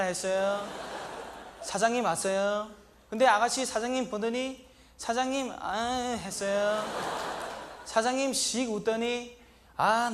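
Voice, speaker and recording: A comedian playing an earnest young male migrant worker with a Sri Lankan accent, speaking in short, broken sentences and shouting an indignant catchphrase. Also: sits high, slight background noise, lightly acted. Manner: broken, simple Korean sentences. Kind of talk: stand-up comedy monologue.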